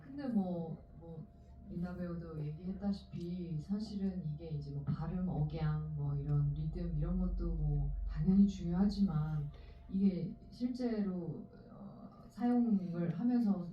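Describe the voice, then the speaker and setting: Woman, actress, chatty and frank, slightly low voice, far off, echoey hall, dull sound. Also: unhurried, hardly any pauses, a little hiss or hum. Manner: chatty, frank, many fillers. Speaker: actress at a film Q&A. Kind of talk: panel Q&A answer. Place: cinema auditorium. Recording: distant echoey lo-fi audience recording.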